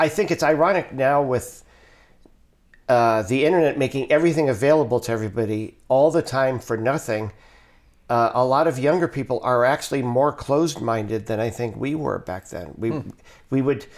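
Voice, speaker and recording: A man with an American accent and an ordinary speaking voice, medium pitch, ordinary pitch variation, a fairly quick pace, and a very clean recording with a silent background. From Cleveland, Ohio. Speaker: jazz clarinetist and saxophonist. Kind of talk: interview.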